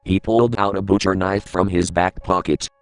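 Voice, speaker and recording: A man narrating a creepypasta horror story in a steady, grave reading voice. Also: sits low, normal speed, clear, resonant tone, no room sound.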